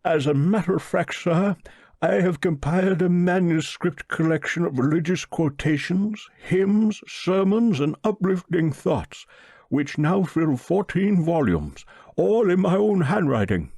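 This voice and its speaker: A man voicing a pompous, pious old millionaire with a solemn, slow drawl in an audiobook story. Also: high-pitched, expressive, darkish tone, husky, no echo, clean studio sound, voice pushed up, full character voice. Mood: pious, grandiose. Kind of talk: audiobook character voice.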